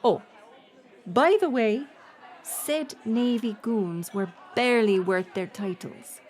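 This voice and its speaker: A woman's voice: on the high side, slow pace, darkish tone. A woman playing a bold, teasing pirate smuggler captain in an audio roleplay, playful and sardonic in manner. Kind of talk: intimate audio roleplay storytelling.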